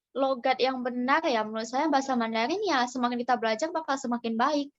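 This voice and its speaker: A woman's voice: high-pitched, a bit bright. A young woman answering a webinar question over a video call, hesitant and thinking aloud with fillers. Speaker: guest speaker. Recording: muffled call audio.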